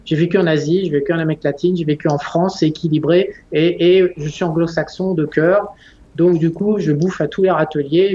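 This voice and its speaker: A man in his forties who talks bluntly and rambles, his voice sitting a little high. He laughs often and swears casually. The recording sounds dull and lo-fi. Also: a little mellow. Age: 40s. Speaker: interview guest. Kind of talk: casual conversation.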